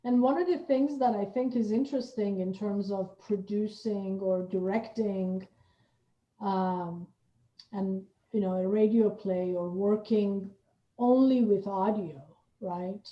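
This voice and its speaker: Slow-speaking woman host in a roomy space. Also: mid-range voice. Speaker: host and radio play director. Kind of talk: moderated panel conversation. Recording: roomy, distant, dull video-call audio.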